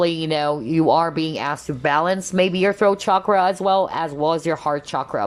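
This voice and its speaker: A woman giving a tarot reading in a chatty, reassuring way, saying she is losing her voice. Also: sits low. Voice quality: strained, tiring voice. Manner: chatty, reassuring, full of fillers and "okay?" check-ins. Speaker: tarot reader.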